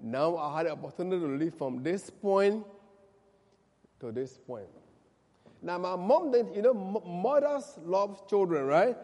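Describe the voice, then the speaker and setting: A man from Liberia with a Liberian accent, a pastor praying and giving his testimony, speaking slowly and deliberately. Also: high voice, expressive, darkish tone. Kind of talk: prayer and testimony sermon. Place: church service. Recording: echoey church hall.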